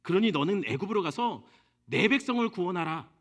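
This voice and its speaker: A man voicing God as a calm, patient divine speaker in a sermon retelling, talking slowly and softly. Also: high voice, voice pushed down. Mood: gently assuring. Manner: slow, soft and reassuring.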